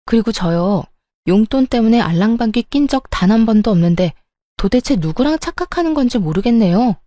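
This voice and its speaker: A woman's voice: fairly high pitch, animated, fairly quick, dark tone, no room sound, natural voice. A woman voicing an indignant daughter-in-law who stands her ground, firm, sarcastic and confrontational, in a narrated story. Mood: scornful, defiant.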